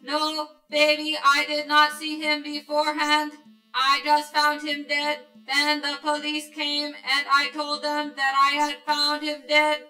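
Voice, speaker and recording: A woman's voice: high voice, monotone, measured pace, pushed and bright, roomy sound, soft background music, low-quality recording. A woman playing an emotionless female pleasure android in a sci-fi radio drama, with polite, stilted, formulaic seduction. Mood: flatly seductive. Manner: robotic, formulaic, stilted sultry delivery.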